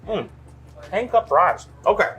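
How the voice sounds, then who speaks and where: Animated guy hosting a food segment in a diner, eats and talks at once, voice swings all over. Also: sits high, measured pace. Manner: enthusiastic, jokey, talks while eating. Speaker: food show host. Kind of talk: casual food tasting chat.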